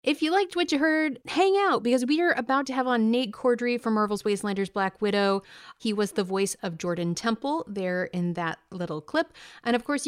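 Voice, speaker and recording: A woman hosting a podcast, introducing clips and interviewing a guest with enthusiastic presenter delivery. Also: fairly high pitch. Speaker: podcast host. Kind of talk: upbeat show hosting and interviewing.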